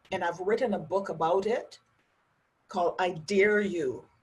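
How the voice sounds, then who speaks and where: With a Barbadian accent, a woman speaks in a medium pitch, somewhat breathy, with fairly even intonation. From Barbados. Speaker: relationship coach. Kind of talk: interview.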